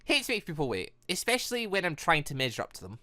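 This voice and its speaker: Girl doing a nice polite young dude from a dating sim, lowish, understated, kinda formal. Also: huge pitch swings, quick pace, pushed and bright, no echo, studio quality, full character voice. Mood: earnest, wry. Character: polite, earnest young man in a dating game.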